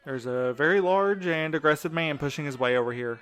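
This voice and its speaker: A man's voice: a little high, fairly quick, fairly bright tone, clean tone, lightly acted. A man playing a wary, protective courier in an audio drama, speaking casually with a sardonic edge. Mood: wry, uneasy.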